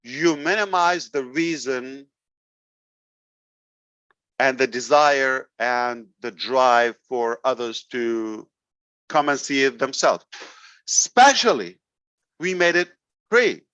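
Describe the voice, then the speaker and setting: Man, company leader addressing members, blunt and emphatic, mid pitch, dry lo-fi sound. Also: expressive, slow, pauses often, a bit bright, smooth, dry recording. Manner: blunt, emphatic, sarcastic at times. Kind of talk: motivational business talk. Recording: dull, dry recording.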